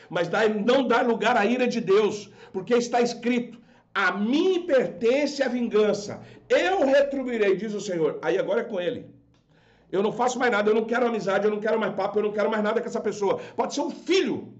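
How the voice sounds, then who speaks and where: Man, Brazilian Portuguese accent, scolding pastor's sermon, high pitch, muffled recording. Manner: fervent, scolding, acts out quoted voices. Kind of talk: sermon on a live stream.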